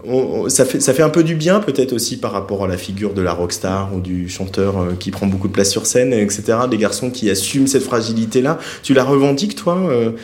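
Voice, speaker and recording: A man's voice: on the low side, a little fast, few pauses, a little mellow. A man from France interviewing a musician, asking long rambling questions with many fillers. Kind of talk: radio interview.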